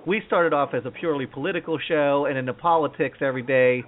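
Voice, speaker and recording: A man's voice: on the high side, quick pace. A man hosting a podcast interview, talking in an easygoing, rambling way. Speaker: podcast host. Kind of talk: casual interview chat. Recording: tinny phone-like line with faint noise.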